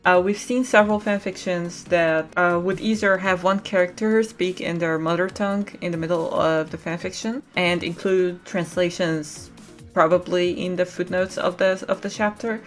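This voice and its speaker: A woman hosting a podcast roundtable, moderating the discussion with some hesitant, pausing phrasing. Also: fairly low pitch, steady tone, faint music behind. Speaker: podcast host.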